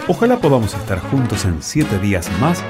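A man announcing a scripted radio sign-off in an expressive style. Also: lowish voice, normal speed. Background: Latin American music.

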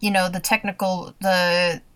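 A woman's voice: lowish voice, flat delivery, measured pace, a bit bright, slight background noise. A young adult woman co-hosting a casual TV recap podcast, talking with lots of laughs and acted-out quotes. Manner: chatty, laughs often, acts out quotes. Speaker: podcast co-host.

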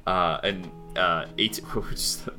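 A man's voice: deep voice, takes it slowly, bright, forceful tone, soft background music. A man running a tabletop game as game master, narrating loosely with many fillers.

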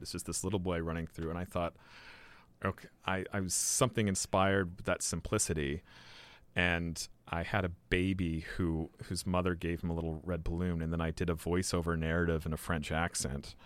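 A man's voice: sits low, little pitch movement, fairly quick, fairly bright tone. A man in his forties, a filmmaker guest on a podcast, telling his story casually with lots of restarts and fillers. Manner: rambling, many restarts and fillers.

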